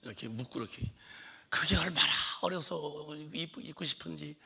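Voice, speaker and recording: Middle-aged male pastor, sermon storyteller, bright gravelly husky voice, swings from whispers to shouted quotes. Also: fairly high pitch, normal speed. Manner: storytelling, acts out shouting mother, drops to whispers.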